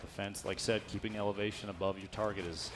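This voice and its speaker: A man with a fairly low voice casts an esports match at a rapid pace. His live commentary is analytical and technical. Game gunfire and clear noise sit behind him. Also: flat delivery. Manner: esports caster delivery, analytical running commentary.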